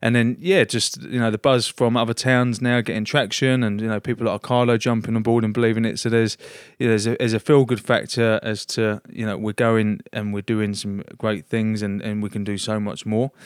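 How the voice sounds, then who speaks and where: An unremarkable speaking voice moves at a fairly quick pace with hardly any pauses, recorded dry and close with no echo against a silent background. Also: man, medium pitch for a man, fairly even intonation. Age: 30s. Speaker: social entrepreneur. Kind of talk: interview.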